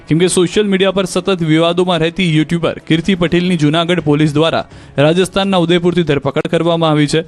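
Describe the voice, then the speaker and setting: A man narrating a news report in a scripted, emphatic voice-over. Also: a little high. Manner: fast, emphatic news delivery.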